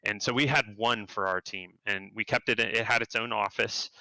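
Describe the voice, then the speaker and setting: A man, a game developer, telling work stories in a casual interview, animated and jumping up in pitch when he quotes people. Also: normal speed, gravelly, no echo, rough recording. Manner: animated, acts out quotes in a higher voice.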